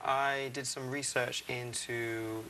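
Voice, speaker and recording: A young man from Barbados, founder of a charity, answering interview questions earnestly with many "uh" pauses. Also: mid-range voice, flat delivery, sharp tone, slight background noise. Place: TV studio.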